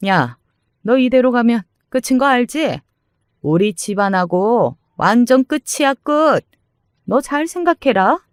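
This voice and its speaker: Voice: medium pitch, expressive, measured pace, clean tone, dry recording, clean studio sound, pitched above the performer's own voice, lightly acted. Narrator acting scolding, domineering middle-aged mother-in-law. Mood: threatening. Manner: scolding, sharp rhetorical demands.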